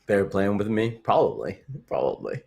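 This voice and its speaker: This young Canadian crypto livestream host has a deep, low voice that is expressive, creaky, and darkish, at a moderate pace. He reads viewer comments in an upbeat, rambling manner, repeating phrases and leaning on fillers.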